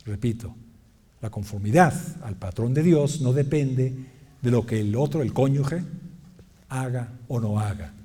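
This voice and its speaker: A middle-aged man preaching a lively sermon, moving from quiet asides to loud exclamations, joking with the audience and clearing his throat often. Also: medium pitch, a little slow.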